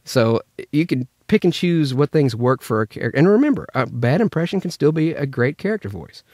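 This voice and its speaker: Very animated and fairly quick, this Memphis, US man has a slightly high yet darkish voice. He's a voice actor teaching character voices through anecdotes in an informal, instructional chat, captured in a dry, studio-quality recording.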